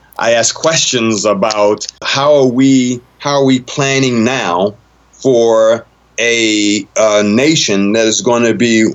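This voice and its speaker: A man at medium pitch with an American accent, speaking at a very slow pace. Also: very even loudness. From Washington DC area (born Bronx, New York). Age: 50s. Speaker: pastor. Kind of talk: interview.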